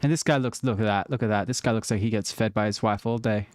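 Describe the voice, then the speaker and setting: A man's voice: lowish voice, fast talker, no echo. A man streaming, chatting casually and joking with his viewers as he reacts to videos.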